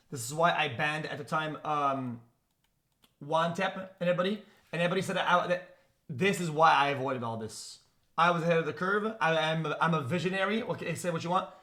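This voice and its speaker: A man's voice: a little high, moderate pace, pushed and bright. A man streaming live, ranting at his chat in reaction to a video, full of restarts, repeated words and swearing.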